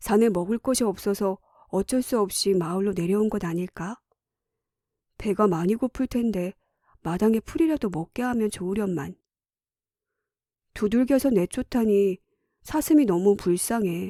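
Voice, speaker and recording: A woman speaks at medium pitch in a dark, mellow tone, with long, frequent pauses. The sound is dry and close with no echo. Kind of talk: audiobook reading.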